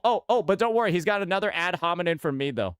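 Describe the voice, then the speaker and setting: A man's voice: sits high, animated, quick pace, clean tone, no echo, studio quality. A male streamer arguing and sneering through casual reaction commentary, swearing freely. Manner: sarcastic, argumentative, swears freely.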